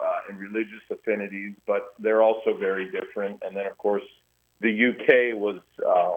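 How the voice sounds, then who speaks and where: Middle-aged male guest on a tinny phone line, low voice, earnest, halting. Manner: earnest, halting with many restarts. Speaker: guest historian. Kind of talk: radio interview by phone.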